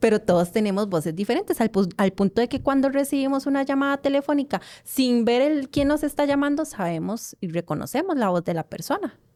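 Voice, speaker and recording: A dark, mellow tone with very wide pitch swings and a fairly quick pace, in a dry, close sound with no echo and a very clean recording over a silent background. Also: woman, high pitch for a woman. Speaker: audiologist. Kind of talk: casual chat.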